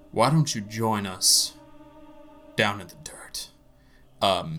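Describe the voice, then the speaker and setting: A raspy, put-on character voice from a man at medium pitch, delivered very slowly, with music in the background. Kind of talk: psychological horror dream sequence. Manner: taunting, bitter, reproachful.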